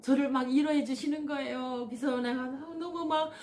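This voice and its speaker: On her own channel, a woman from North Korea shares a personal story in a high, slightly mellow voice with fairly even intonation and normal speed, over a little hiss or hum. She speaks animatedly, performs the voices of those she quotes, and fills pauses with "yes" and "uh."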